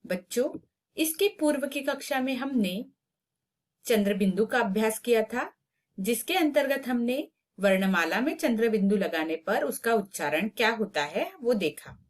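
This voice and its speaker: A woman's voice: a little high, animated, a little slow. A woman teaching a Hindi lesson to children, stretching out and repeating each word so pupils can copy it. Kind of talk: slow classroom lesson for children.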